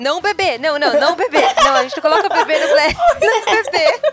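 A woman at a moderate pace, her pitch swinging very widely, with noticeable background noise. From Brazil. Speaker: dancer and Israel emigrant. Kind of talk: casual chat.

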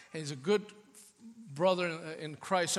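A man with a Spanish accent speaks in a high pitch. His pace is fairly quick. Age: 50s. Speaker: pastor. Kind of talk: sermon. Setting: church. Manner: animated.

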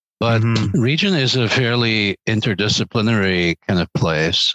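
A man with a Scottish accent speaks in a bright, sharp tone with fairly even intonation. The recording is very clean and dry, close with no echo and a silent background. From Scotland. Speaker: professor. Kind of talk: interview conversation.

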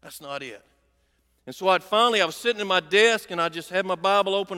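A man with a Southern US accent, high-pitched and very fast, with a bright, sharp tone and lively intonation. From northeast Arkansas. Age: 50s. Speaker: preacher. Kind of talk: sermon. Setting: church. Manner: animated.

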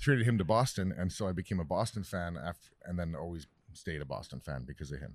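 Speaking very fast with a Canadian accent, a man with a very deep, low pitch uses lively intonation and vocal fry. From British Columbia, Canada (Vancouver Island). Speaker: chef. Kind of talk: casual chat.

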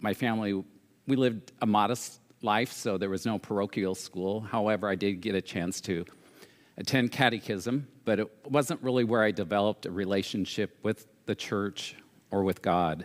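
Here is a man with an unremarkable speaking voice, fairly low in pitch and ordinary in its pitch variation. He talks at a moderate pace on a very clean recording with a silent background. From US Pacific Northwest, eastern Washington. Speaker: church treasurer. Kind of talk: testimony.

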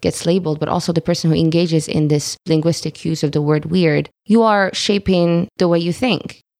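A fairly low-pitched woman's voice with a Moroccan accent and a dark, mellow tone at a moderate pace, in a dry, close sound with no echo. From Morocco. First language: Moroccan Arabic. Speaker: podcast guest. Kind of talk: casual discussion. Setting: studio.

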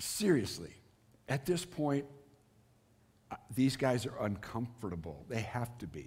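A man with a medium pitch talks at a fairly slow pace, his pitch swinging very widely and his voice showing vocal fry. He leaves long, frequent pauses, and audible room echo surrounds him. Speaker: pastor. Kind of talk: sermon.

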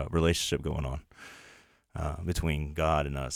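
Very deep, low male voice, vocal fry throughout, pitch varying in an ordinary way. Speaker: podcast host. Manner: thoughtful, conversational, uses fillers like "right" and "like".

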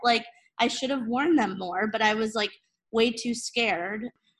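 A loud woman with an American accent, a fairly high pitch, a bright, sharp tone, fairly even intonation and a moderate pace. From New Jersey. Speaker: social media worker in food. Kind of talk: casual chat.

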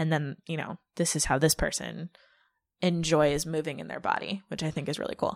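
A woman with an American accent, very deep and low in pitch, with vocal fry and a very fast pace, in a very clean recording over a silent background. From US West (California, Lake Tahoe). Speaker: magazine editor. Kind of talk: interview.

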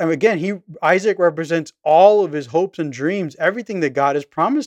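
A man's high voice with lively intonation, in a dry, close sound with no echo. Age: 30s. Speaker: psychology professor. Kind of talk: solo podcast monologue. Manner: halting, many fillers.

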